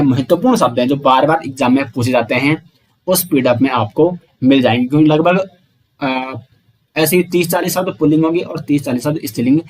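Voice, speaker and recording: A man teaching an exam-prep Hindi grammar lesson, asking questions and answering them himself, speaking to his viewers as friends. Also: fairly high pitch.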